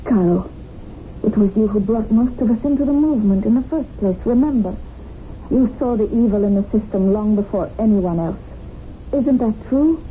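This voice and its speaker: A woman's voice: fairly high pitch, moderate pace, lightly acted. An actress playing a fervent, unyielding woman revolutionary in a radio drama, speaking in an earnest, insistent, rhetorical way. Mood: fervent, persuading. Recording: narrow-band, noisy old radio broadcast.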